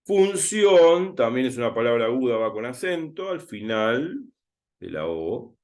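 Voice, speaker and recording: A man with a Rioplatense Spanish accent tutors through a recorded math lesson. He talks to himself as he writes, drawing out and repeating key words at an unhurried pace. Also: medium pitch, expressive. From Argentina. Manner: thinking aloud while writing, repeating words slowly.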